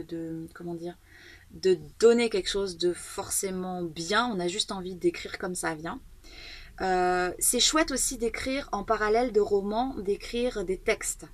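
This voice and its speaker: A woman in her thirties, an author talking through her writing in a casual, reflective monologue, pausing often with fillers and restarts. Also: medium pitch, no echo. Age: 30s. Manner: thoughtful, hesitant, many fillers and restarts. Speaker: author and video blogger.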